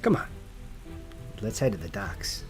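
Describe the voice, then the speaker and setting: A man's voice: fairly low pitch, big pitch swings, unhurried, soft background music. An actor playing a dry, confident, street-smart male detective in a noir audio drama. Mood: wry. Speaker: private investigator.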